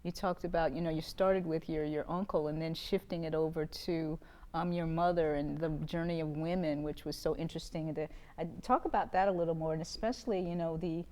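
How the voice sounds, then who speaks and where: A woman's voice: low voice, steady tone, a little fast, mellow. A woman hosting an interview, asking long rambling questions and affirming with mm-hmms. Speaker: interview host.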